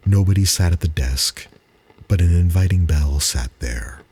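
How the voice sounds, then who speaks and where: A man giving a dramatic reading of a spooky story, deliberate and suspenseful, with dramatic pauses. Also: low voice, animated, darkish tone, husky.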